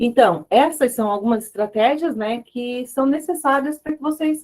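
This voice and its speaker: A woman speaks with lively intonation. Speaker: Portuguese teacher. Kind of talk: online lecture. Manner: fast; hesitant, with many fillers.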